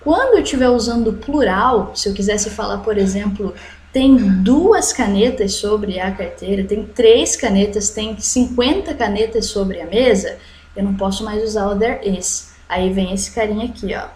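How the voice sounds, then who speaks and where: A woman teacher with a Brazilian accent giving an online English lesson to children, switching between explanation and slowly drawn-out model sentences. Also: mid-range voice, darkish tone, a little hiss or hum. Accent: Brazilian Portuguese. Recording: echoey room.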